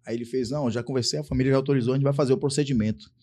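A man from Brazil, a police sergeant guest on a casual podcast, telling stories in a lively way, acting out the voices of other people and swearing freely. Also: medium pitch, racing. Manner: animated storyteller acting out dialogue, swears freely. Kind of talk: casual podcast chat, storytelling.

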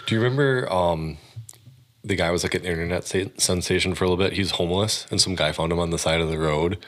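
A man's voice: low-pitched, fast, fairly bright tone. A man co-hosting a podcast in casual chat, easygoing and giving brief replies. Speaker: podcast co-host.

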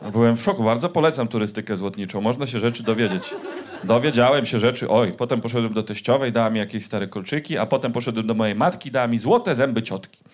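A male stand-up comedian telling a story in a profane, animated way, in a noisy live recording. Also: medium pitch, quick pace.

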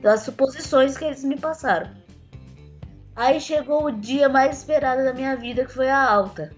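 A woman whose voice is still a little rough, telling her own story in an earnest, halting way with many restarts. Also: high voice, highs cut off, soft background music. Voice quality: voice still rough since a tracheostomy. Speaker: interviewee. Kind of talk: personal account in a conversation.

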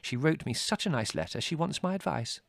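A gentle middle-aged mother from a storybook , acted out by a man, pitched well above a man's talk. The voice placates and protests fondly, sometimes hesitant, with a firm edge. The recording is close and dry. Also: animated, fairly quick, vocal fry, dry recording, full character voice. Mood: earnest. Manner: hesitant, soothing, fond protests. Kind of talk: audiobook character dialogue.

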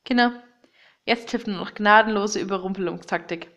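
A woman's voice: medium pitch, normal speed, fairly bright tone, lightly acted. A woman playing a plucky detective who narrates a children's audio story in a dramatic, conspiratorial way. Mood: urgent, rallying. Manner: conspiratorial, dramatic, addressing young listeners directly. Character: excitable, plucky male detective Otto, leading young sleuths.

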